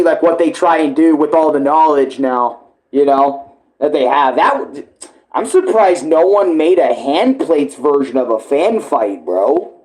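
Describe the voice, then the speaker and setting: A man's voice: fairly high pitch, darkish tone, poor audio. A man giving casual live reaction commentary, full of slang and swearing. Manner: slangy, profanity-laden. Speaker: reaction video host.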